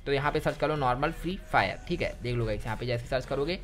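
A man's voice: mid-range voice, quick pace, fairly bright tone. A young man narrating a step-by-step phone tutorial, often addressing viewers informally and repeating himself. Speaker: tech tutorial YouTuber. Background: background music.

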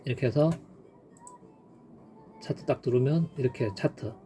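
A man's voice: mid-range voice, a little slow, warm tone, soft background music. A man teaching stock chart trading in a casual, emphatic way, repeating key points and punctuating them with sound effects. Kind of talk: casual screen-share chart lesson.

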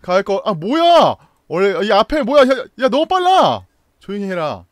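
A young man streaming a game live, reacting loudly, laughing and greeting viewers. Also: high voice, very animated, measured pace, dry recording, studio quality.

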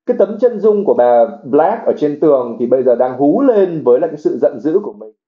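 A man's voice: on the high side, very animated, a little fast. A man who teaches English reads a novel aloud in a livestream, then translates each passage and explains the vocabulary word by word. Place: livestream at home. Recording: phone-like narrow sound.

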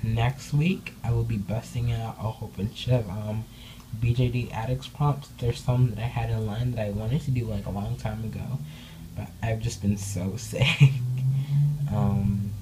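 A woman chatting casually in an indoor room as a doll hobby vlogger, rambling with many filler words and bubbly excitement. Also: a bass voice, a little slow, background noise. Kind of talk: casual update vlog. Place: indoor room, speaking off camera behind dolls.

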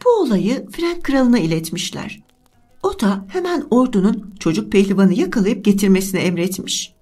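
A woman narrating a bedtime fairy tale in a gentle, measured storytelling manner. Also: medium pitch.

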